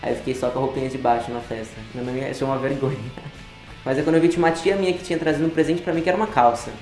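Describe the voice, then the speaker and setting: Interviewee: 19-year-old man, Brazilian Portuguese accent, casual and laughing, quick delivery. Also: medium pitch, faint music behind. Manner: relaxed, laughs often. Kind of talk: casual personal storytelling. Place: studio against grey wall. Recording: roomy room sound.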